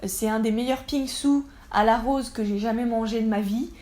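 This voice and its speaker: A woman's voice: on the high side, moderate pace, mellow. A young woman narrating a casual travel vlog, chatty and enthusiastic as she gushes about food. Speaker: travel vlogger.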